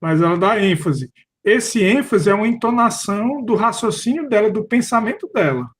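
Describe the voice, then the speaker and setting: Brazilian man, slightly high voice, unsure questioner who restarts words. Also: animated, normal speed. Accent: Brazilian Portuguese. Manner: questioning, uncertain, restarts often. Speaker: philosophy study group participant. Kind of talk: casual discussion.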